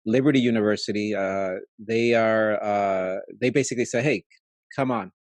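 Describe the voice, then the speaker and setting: A man's voice: lowish voice, no echo. Easygoing man in his late thirties, dry sound. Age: late 30s. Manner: chatty, easygoing, quick to laugh. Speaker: podcast host. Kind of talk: casual interview.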